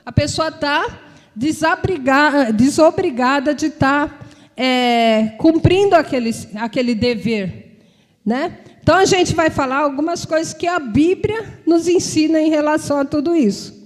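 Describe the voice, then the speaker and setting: Her voice sits high and moves a little slowly as this preacher and psychologist addresses a congregation and viewers online. The sermon is chatty, informal, and repetitive, full of tag questions checking in with the audience, with long reverb from a large hall.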